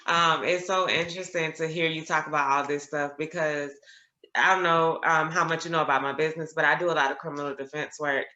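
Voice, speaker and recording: Bright chatty woman host in a roomy sound. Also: sits low, a little fast, dull audio. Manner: chatty, many ums, animated when quoting others. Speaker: attorney, podcast host. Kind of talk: conversational storytelling.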